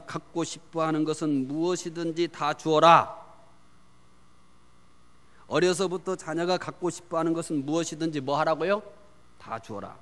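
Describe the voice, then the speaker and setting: A man preaching a sermon on parenting, asking the congregation questions and answering them himself, swinging from loud emphasis to hushed near-whispers. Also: a little high. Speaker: pastor. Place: church sanctuary. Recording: long church hall reverb.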